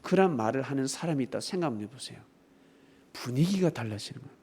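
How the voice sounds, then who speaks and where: A male pastor with a mid-range, breathy-edged voice delivers a forceful sermon that moves from loud exclamations to softer asides. He keeps asking his congregation rhetorical questions.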